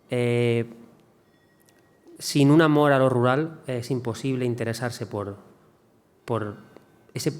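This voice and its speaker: A man talks as a guest writer at a cultural talk. His pitch sits at an ordinary middle level. He pauses, repeats small words and restarts his sentences as he thinks aloud. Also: darkish tone.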